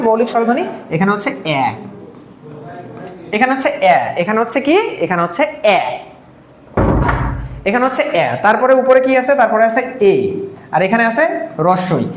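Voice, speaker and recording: A woman's voice: fairly high pitch, a little fast, pauses often, roomy sound. A woman teaching a live online exam-prep class, drilling terms by repeating them and asking and answering her own questions.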